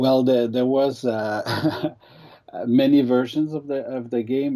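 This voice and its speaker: A man with a French Canadian accent, dark and mellow in tone, at a moderate pace. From Quebec, Canada. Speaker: board game designer. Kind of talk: casual interview. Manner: halting, repeats words.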